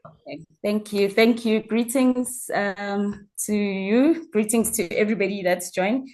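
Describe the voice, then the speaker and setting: A woman with a South African accent introducing herself as a guest speaker in an informal online talk, phrasing things haltingly with repeated words. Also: mid-range voice, a little mellow. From Mpumalanga, South Africa. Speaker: guest speaker, mining entrepreneur. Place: online video call.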